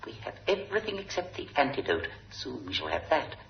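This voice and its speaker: An actor playing a scheming, power-hungry villain with a grandiose, ranting delivery, in an old radio drama recording. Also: male voice, mid-range voice, sing-song, fairly quick, creaky, dull audio, slight background noise.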